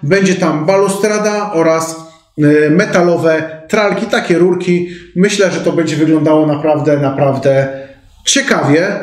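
There is audible room echo as a man speaks at a high pitch. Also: ordinary pitch variation, moderate pace. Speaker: woodworking channel host. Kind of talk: casual vlog intro. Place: workshop.

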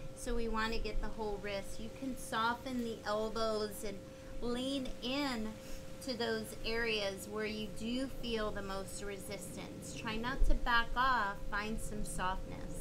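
Amid noticeable background noise, a woman speaks at a very slow pace with a fairly high pitch. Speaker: yoga instructor. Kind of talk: guided yoga class with calm spoken cues. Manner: calm, soothing, instructional; steady, measured pace with friendly warmth. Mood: calm, soothing. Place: garden. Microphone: studio mic.

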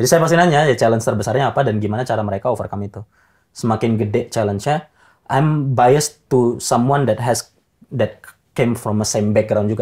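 The recording is very clean, with a silent background. A man speaks at a very fast pace, somewhat breathy. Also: medium pitch for a man, ordinary pitch variation. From Jakarta, Indonesia. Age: 30s. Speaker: startup founder. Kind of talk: interview.

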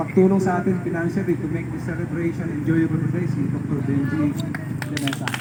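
Fairly quick and fairly even in intonation, a man with a fairly high pitch speaks over noticeable background noise and audible room echo. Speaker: tennis club official. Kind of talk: welcoming speech.

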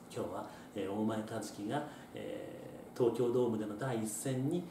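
The speech moves at a fairly slow pace. Light background noise and audible room echo are present. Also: man. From Japan. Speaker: sports writer and video creator; former baseball player vlogger. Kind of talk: casual monologue; casual vlog chat. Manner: many filler sounds. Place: home room. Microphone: camera far.

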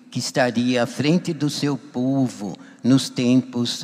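In a quiet background, a man speaks very slowly with ordinary pitch variation. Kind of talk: prayer. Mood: solemn, reverent. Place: church. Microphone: handheld.

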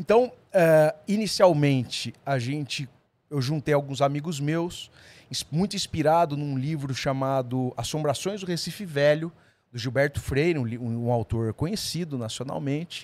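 The man's fairly high voice moves along fairly slowly, with ordinary variation in pitch. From Brazil, Campinas (São Paulo state); São Paulo state, Brazil. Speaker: cemetery tour guide; podcast guest, cemetery tour guide. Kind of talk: casual interview chat. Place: studio. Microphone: studio mic.

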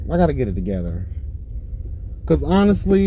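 Noticeable background noise sits behind a man whose sound is dry, with no echo. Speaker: vlogger. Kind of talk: casual vlog chat. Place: car. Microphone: phone near.

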